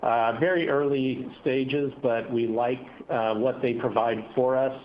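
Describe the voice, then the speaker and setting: A man speaking as a company executive, answering analysts on an earnings call in measured corporate phrasing with hesitant pauses. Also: mid-range voice, steady tone. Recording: dull, noisy conference call audio.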